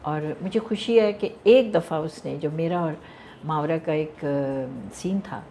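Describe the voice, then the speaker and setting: An older woman, a television actress telling lively stories in a casual interview and mixing English into her Urdu. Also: deep voice, slight background noise. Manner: animated storyteller, mixes English into Urdu, laughs often.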